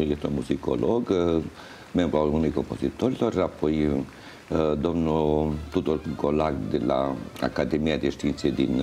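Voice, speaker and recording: An older man being interviewed in a TV studio, explaining things in a halting, measured way. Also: very deep voice, warm tone, slight background noise. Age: older, around 60s. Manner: halting, measured, pausing mid-phrase. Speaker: interview guest, folk festival organizer and juror. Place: indoor TV studio. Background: music playing.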